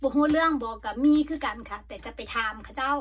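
A woman's voice: high voice, quick pace, slight background noise. A middle-aged woman with an Isan Thai accent, chatting casually and rambling in a vlog from a sauna, coughing now and then. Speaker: vlogger. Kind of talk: casual chat.

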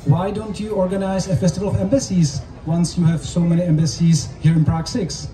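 A man with a Czech accent interpreting formally and in measured phrases as a host on an open-air festival stage. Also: sits high, flat delivery, mellow. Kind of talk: live consecutive interpreting at a public event. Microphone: handheld mic through PA, recorded from audience. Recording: roomy, distant stage PA sound with noise.

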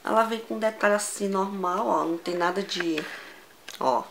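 A Brazilian woman vlogging a casual shopping haul, gushing and excitable, repeating words as she shows each item. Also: mid-range voice, moderate pace, gravelly, a little hiss or hum, low-quality recording. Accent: Brazilian Portuguese. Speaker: fashion vlogger.

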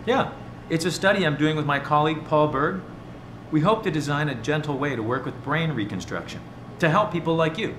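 A man's voice: fairly high pitch, a little fast, close to an everyday voice. An actor playing a mild, awkward, friendly male research student in a video game, informal and hesitant. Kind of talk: naturalistic video game voice acting. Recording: echoey room with background hum.

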